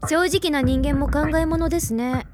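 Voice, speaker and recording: A woman's voice: high-pitched, moderate pace, loud music behind the voice, close to an everyday voice. An actress playing a confident, crafty teenage girl in an anime audio drama, with a cool, teasing, mock-polite delivery. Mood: cool confidence.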